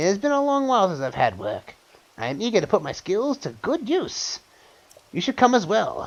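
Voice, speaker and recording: Using a put-on character voice, a man makes very wide pitch swings. His pace is moderate. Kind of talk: formal archaic speech. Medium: game stream. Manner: formal, dignified.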